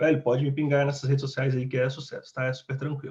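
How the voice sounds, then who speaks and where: A man speaks very fast with a strong Minas Gerais accent. His voice is somewhat breathy and fairly high-pitched. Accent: strong Minas Gerais (mineiro). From Brazil, Belo Horizonte (Minas Gerais). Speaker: cloud security architect, conference speaker. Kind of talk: conference talk. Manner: casual, talkative.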